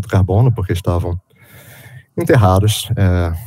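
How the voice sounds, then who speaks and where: Dry and close with no echo, the voice is somewhat breathy with a dark, mellow tone, ordinary pitch variation and a moderate pace. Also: man. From Brazil, Rio de Janeiro. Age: 30s. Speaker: chemical engineer, solvent specialist. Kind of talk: technical seminar presentation. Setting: online video seminar. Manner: halting, many fillers.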